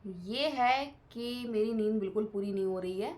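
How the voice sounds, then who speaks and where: A woman's voice: mid-range voice, normal speed, a little mellow. A woman in her thirties talking casually in a family vlog, chatty and rambling with many fillers. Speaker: vlogger.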